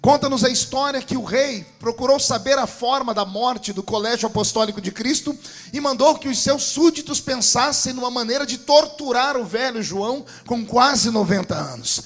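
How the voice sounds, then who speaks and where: A pastor preaching a dramatic sermon in Brazilian Portuguese, telling a story that swells into shouting. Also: male voice, very high voice, moderate pace, soft background music.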